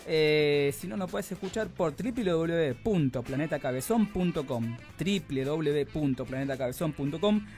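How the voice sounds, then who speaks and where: A man's voice: fairly high pitch, expressive, moderate pace, few pauses, darkish tone, soft background music. A man with an Argentine Spanish accent, a teacher co-hosting a radio show in easygoing chat. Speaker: radio show co-host and schoolteacher.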